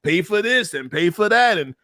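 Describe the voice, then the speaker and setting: A man hosting a casual panel discussion, talking in a relaxed, chatty way and reading out viewer comments. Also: high-pitched, moderate pace, no echo, clean studio sound. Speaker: host.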